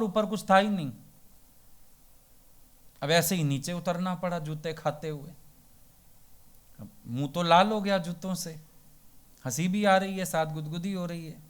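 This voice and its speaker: A man giving a devotional sermon as a spiritual teacher. He tells folksy parables and keeps asking rhetorical questions. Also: sits high. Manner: folksy and plain-spoken.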